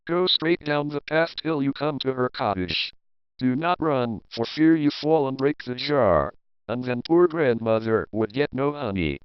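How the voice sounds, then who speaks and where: A caring mother from a storybook, voiced by a man, gently instructive and careful. The voice is clear and smooth, with a slightly dull, dry sound. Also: medium pitch, expressive, measured pace, no room sound, natural voice. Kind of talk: storybook character voice.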